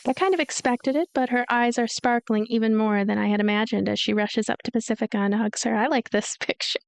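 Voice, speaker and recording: Higher-pitched woman narrating a story game. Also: fairly quick, creaky, smooth, no room sound. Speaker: let's player narrating a visual novel. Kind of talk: voiced story narration with light commentary.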